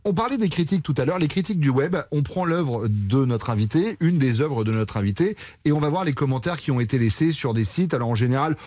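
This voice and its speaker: Radio host guy, slightly high voice, jokey and laughing a lot. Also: expressive, fast, a little mellow, dry recording. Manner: playful, laughs often while talking. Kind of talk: lively radio show hosting.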